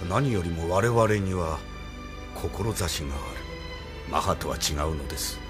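A loyal rebel admiral in a radio drama, low-voiced with a lively, rising and falling delivery. He is polite and deferential but proud, and music sits clearly behind him. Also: a little slow. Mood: earnest. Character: loyal middle-aged male rebel admiral, earnest.

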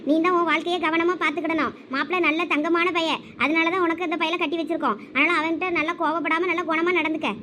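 A woman's voice: very high voice, fairly even intonation, fast, few pauses, bright, forceful tone, slight background noise. A woman with a Thoothukudi Tamil accent performing village family comedy drama dialogue, chatty, scolding and coaxing.

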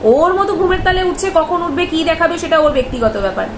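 A woman's voice: very high voice, lively intonation, quick pace. A young woman, talking to camera in a commentary vlog and firing off indignant rhetorical questions. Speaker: vlogger. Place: bedroom, indoors. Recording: echoey room with background noise.

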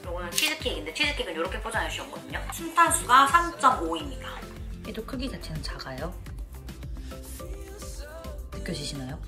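Young female food vlogger, playful mukbang-style tasting chat, animated pitch, music underneath. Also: brisk, pauses often, echoey room. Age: young adult. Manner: expressive, playful. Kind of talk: casual review chat to camera while tasting baked goods. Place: small living room at home, also a cafe. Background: background music.

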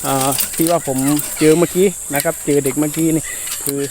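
A man talking casually to viewers in an explanatory vlog, hesitant and repetitive, with many drawn-out filler pauses. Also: a little high, fairly even intonation, a little mellow. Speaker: soldier vlogger addressing viewers. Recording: noisy outdoor recording with insect ambience.

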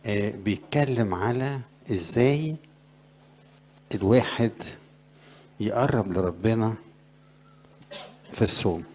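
Rather low-voiced Egyptian priest preaching. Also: male voice, takes it slowly, long pauses, darkish tone, slight background noise. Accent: Egyptian Arabic. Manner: conversational preaching, rising emphasis on scripture. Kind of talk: sermon to young graduates.

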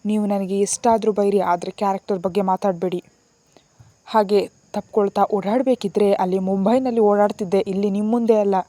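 A woman reading a storybook aloud and voicing a defiant, stubborn young woman who answers back sharply and loudly. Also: mid-range voice, fairly even intonation, brisk, no room sound, natural voice. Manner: sharp, indignant and loud.

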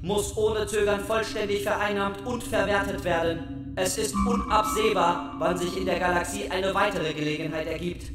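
A man's voice: high voice, steady tone, moderate pace, natural voice. A man playing a ruthless, insistent machine delegate in a science fiction audio drama, with clipped bureaucratic diction. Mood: insistent, cold. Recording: echoey, distant from mic, music behind.

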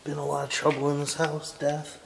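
A man's voice: fairly high pitch, brisk, gravelly. Young man exploring an echoey empty house. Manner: excited, awed and jumpy, calling out and whispering. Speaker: urban explorer. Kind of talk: exploration vlog narration. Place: large empty abandoned house, indoors. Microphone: handheld camera mic. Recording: echoey empty rooms with faint hiss.

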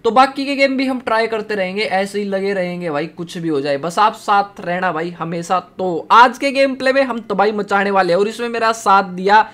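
A man streaming a mobile battle game, chatting casually and pleading excitedly with other players. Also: sits high, normal speed, hardly any pauses. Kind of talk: casual gaming commentary.

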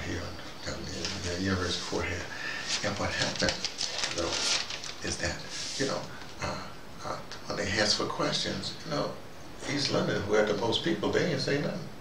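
Gravelly man lecturing in a roomy room. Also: deep voice. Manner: digressive, with sudden rising emphasis. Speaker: commentator speaking to a small audience. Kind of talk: rambling spoken lecture. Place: small room indoors. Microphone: far camera mic. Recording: roomy, distant, noisy.

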